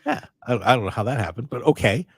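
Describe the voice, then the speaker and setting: A man hosting a radio show in casual, rambling chat, his voice a little raspy and strained. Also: mid-range voice, fast, dry recording. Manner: chatty, excitable, rambling. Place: radio studio.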